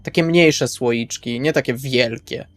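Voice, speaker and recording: A man's voice: medium pitch, unhurried, no echo. A man chatting casually and a little hesitantly in character as a player in a tabletop roleplaying session. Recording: music bed under the voice. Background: background music.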